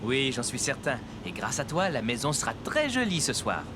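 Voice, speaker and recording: A man's voice: mid-range voice, wildly swooping pitch, moderate pace, background noise. A man playing a patient, cheerful young father in a children's cartoon. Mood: reassuring. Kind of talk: French-language children's cartoon dialogue.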